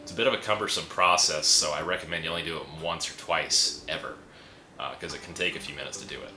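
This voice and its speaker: A man's voice: a bass voice, fairly even intonation, quick pace, sharp tone, faint music behind. A young man giving a casual product review in an easygoing, chatty way, with frequent fillers, speaking indoors into a camera. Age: young adult. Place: indoor room with a pegboard wall. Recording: roomy echo.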